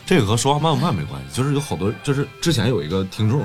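A man co-hosting a podcast in casual chat, telling stories in an animated way. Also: medium pitch, faint music behind. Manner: animated, fast storytelling. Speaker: podcast co-host.

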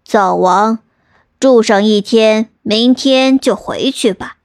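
A woman voicing a proud old male heavenly emperor in a storybook tale, in a lowered, haughty voice. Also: slow, darkish tone, no room sound, studio quality.

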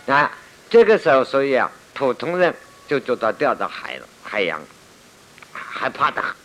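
Animated man giving a Buddhist lecture. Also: mid-range voice, normal speed. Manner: lively storytelling, acting out exclamations and scolding. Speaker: Buddhist teacher. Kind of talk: spoken Buddhist lecture to a seated audience. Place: lecture room with listeners.

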